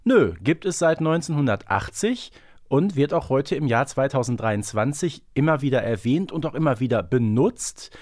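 A man's voice: medium pitch, lively intonation, normal speed, a little mellow, dry recording, studio quality. A man co-hosting a podcast, talking casually and expressively with colloquial interjections. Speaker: podcast co-host. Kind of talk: casual fan podcast chat.

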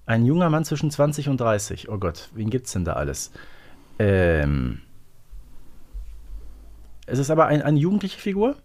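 A man's voice: medium pitch, big pitch swings, normal speed, long pauses, a little mellow. A man co-hosting a podcast, playing a guessing game in casual chat and muttering to himself as he thinks. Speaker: podcast co-host.

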